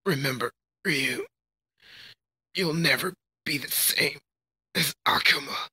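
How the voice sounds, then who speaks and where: A brash young fighting-game hero, acted out by a man, with a bright, forceful edge. He delivers his lines slowly, with a taunting swagger, and the sound is close and dry. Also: on the high side, breathy edge, no room sound, full character voice, rough recording. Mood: grim, defiant. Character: cocky, brash young male martial arts fighter. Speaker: amateur voice actor. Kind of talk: character voice demo, video game fighter lines.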